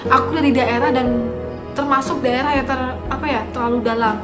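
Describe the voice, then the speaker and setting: Guest, female, Javanese accent, high pitch, relaxed talker, roomy echo. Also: fairly quick. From Yogyakarta, Indonesia. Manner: relaxed, laughs easily, chatty. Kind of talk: casual chat. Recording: echoey room with music behind.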